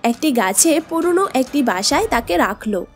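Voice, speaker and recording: Female narrator: high, lively scripted storytelling for children. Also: normal speed, over music.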